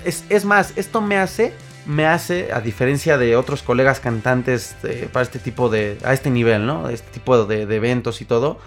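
A man with a Mexican accent, a podcast host and singer, telling stories in a casual, animated monologue full of fillers and restarts. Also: medium pitch, normal speed, few pauses, soft background music. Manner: animated storyteller, acts out quoted voices, frequent fillers and restarts.

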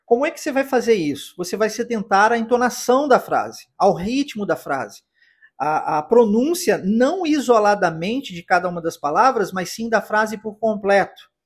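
Brazilian accent, English teacher, husky voice, patient, encouraging, podcast pronunciation lesson. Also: medium pitch, animated, normal speed. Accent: Brazilian Portuguese. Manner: patient, encouraging, explains step by step.

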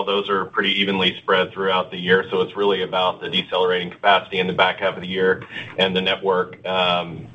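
A man's voice: sits low, sharp tone, slight background noise. A man speaking as an airline executive, adding an unscripted answer on an earnings call over a muffled conference line.

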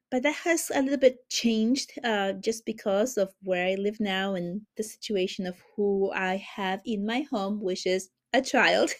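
A woman from Chile hosting a spiritual podcast, talking in a soft, reverent way and drawing out her words. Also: medium pitch. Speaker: podcast host, spiritual healer.

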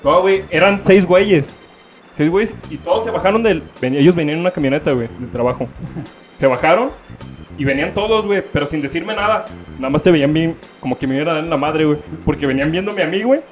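A man's voice: fairly high pitch, expressive, soft background music. A man with a Mexican accent tells a story in casual, slang-heavy chat and acts out what people said. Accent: Mexican Spanish. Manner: rapid slangy storytelling, acting out quoted lines. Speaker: storyteller among friends.

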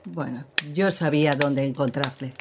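Brief: actress voicing a cool, evasive opera diva, very low voice, hissy amateur recording. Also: female voice, normal speed. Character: guarded widow of a fallen man, female opera singer. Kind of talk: radio drama acting.

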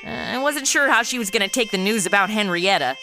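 A woman's voice: medium pitch, animated, fast talker, over music, close to an everyday voice. A woman playing a brash, flippant twenty-something amateur detective in a comedy audio drama, with sassy, slangy delivery. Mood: wry. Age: 20s. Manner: sassy, slangy, self-absorbed wisecracking. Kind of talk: comedy audio drama acting with wry narration.

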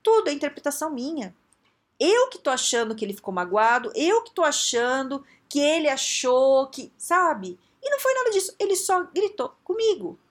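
A woman with a Brazilian accent, a coach giving casual advice in an animated way, laughing often and acting out quotes. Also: high voice, normal speed. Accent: Brazilian Portuguese.

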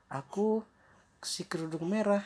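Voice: mid-range voice, measured pace, darkish tone, breathy edge, voice pushed up. A storyteller voicing a naive young girl in a red hood who asks innocent questions. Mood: cheerful.

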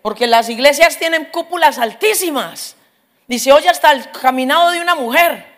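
Speaking at a normal pace in a high voice, a middle-aged woman delivers a humorous testimony as a sermon. Her storytelling is lively, and she imitates the voices of the characters she describes.

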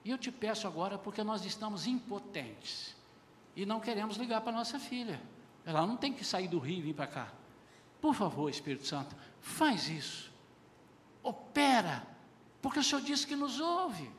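Older male pastor, high-pitched, earnest preaching in a church with long reverb. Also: animated, slight background noise. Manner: earnest storytelling preacher, slowing for emphasis. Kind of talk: sermon.

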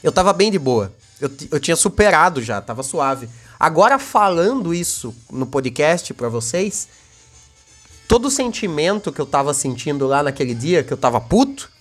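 A young Brazilian man hosting a casual solo podcast, talking in a heated, slangy way and repeating himself as he gets worked up. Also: high voice. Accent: Brazilian Portuguese. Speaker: podcast host.

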